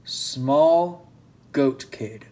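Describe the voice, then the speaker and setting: A man voicing an ancient male dragon god who speaks in slow, low, lofty pronouncements. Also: a little mellow.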